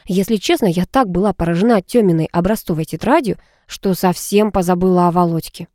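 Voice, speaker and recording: A woman narrating a first-person story aloud, lively and expressive with ironic asides. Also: fairly low pitch, a little fast, dry recording, clean studio sound. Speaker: audiobook narrator.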